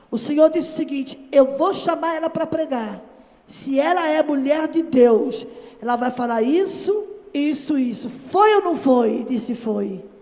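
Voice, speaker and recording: A woman speaks at a fairly slow pace in an animated tone, her high pitch moving with lively intonation, amid audible room echo and noticeable background noise. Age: 60s. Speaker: missionary preacher. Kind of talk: sermon. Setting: church.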